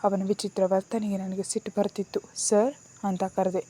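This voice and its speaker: Female storyteller with a warm, mellow voice; reads a romance and voices both lovers' lines. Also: medium pitch, flat delivery, moderate pace. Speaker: narrator. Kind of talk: first-person story narration.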